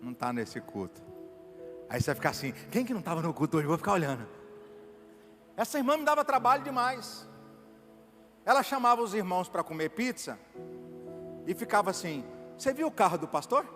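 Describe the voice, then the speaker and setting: A man's voice: high-pitched, sing-song, fairly quick, pauses often, pushed and bright. A Brazilian man preaching a sermon as a pastor in a church, emphatic and pulling the congregation into call-and-response. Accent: Brazilian Portuguese. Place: church sanctuary. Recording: reverberant church hall with faint music.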